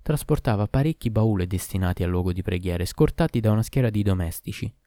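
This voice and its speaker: A man narrates a tale in the first person with a steady, measured delivery. His voice is low and mellow, recorded close and dry. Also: no echo.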